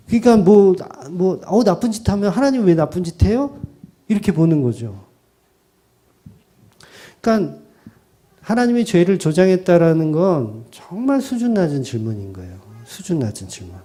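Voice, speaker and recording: A male pastor giving an expository sermon, asking the congregation questions and acting out imagined voices. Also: high voice. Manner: animated preaching, quoting imagined voices with sudden drops to soft asides.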